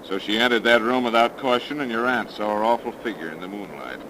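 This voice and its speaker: An actor playing a steady, wry investigator in a 1930s radio horror drama, explaining in a calm, folksy way. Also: male voice, on the low side, fast, natural voice. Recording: hissy 1930s radio recording.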